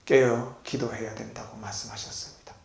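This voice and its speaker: A man preaching a sermon as a pastor to a congregation at a healing retreat center. He asks the congregation questions and swings between loud and soft. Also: mid-range voice, level tone, a little fast, creaky. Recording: echoey hall.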